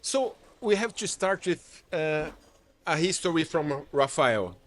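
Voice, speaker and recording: A Brazilian man with a slightly higher voice hosts an interview on a boom mic in a hotel lounge. He talks fast and cheerfully and moves between languages. He laughs easily between questions. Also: lively intonation, fairly bright tone. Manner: upbeat, quick-talking host, laughs easily. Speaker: podcast host. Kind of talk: hosting an interview in Portuguese and English. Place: large hotel lounge, indoors. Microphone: desk mic on boom arm.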